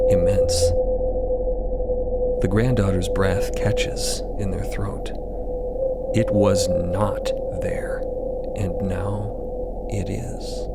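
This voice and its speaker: Slow, low-voiced man narrating over loud music. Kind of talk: scripted dramatic fiction narration.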